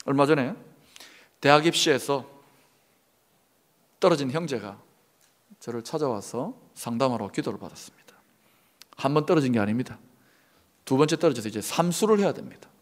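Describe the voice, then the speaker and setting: A middle-aged pastor preaching a sermon, acting out prayers in loud pleading bursts and dropping to a near whisper. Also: male voice, mid-range voice, animated, a little fast, pauses often. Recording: long hall reverb.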